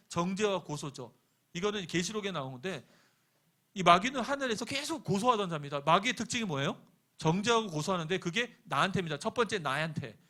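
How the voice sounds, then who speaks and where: Korean pastor with a higher voice, preaching. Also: male voice, bright, forceful tone. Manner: asks the congregation questions and answers them himself; tells a personal story with quoted lines of dialogue. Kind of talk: sermon. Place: church sanctuary.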